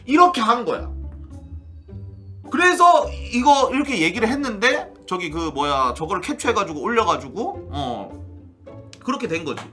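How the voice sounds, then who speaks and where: A man's voice: high-pitched, sing-song, normal speed, pushed and bright. A young man streaming games, telling a story to his chat in casual, swearing speech and acting out both sides of the argument. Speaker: game streamer. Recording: music playing behind the voice.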